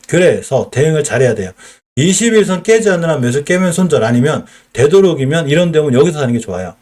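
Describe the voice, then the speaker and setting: Animated man with Chungcheong accent. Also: on the high side. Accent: Chungcheong Korean. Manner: lively, explanatory, asks and answers his own questions. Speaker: stock market streamer. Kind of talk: live-stream stock chart lesson.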